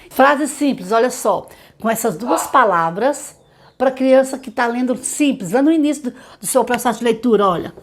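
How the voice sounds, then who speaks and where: A middle-aged Brazilian woman, a literacy teacher, giving reading tips straight to parents and slowly sounding out sample words. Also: on the high side. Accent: Brazilian Portuguese. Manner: warm direct advice to mothers, slow syllable-by-syllable demonstrations. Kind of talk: tutorial talking to parents.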